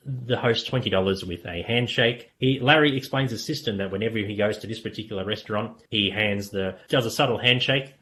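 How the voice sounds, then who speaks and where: A man's voice: on the low side, fairly quick, few pauses, a bit bright, a little hiss or hum. A man co-hosting a podcast, casually recapping an episode scene by scene, informal and sweary, often chuckling as he talks. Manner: chuckles often while talking. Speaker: podcast co-host.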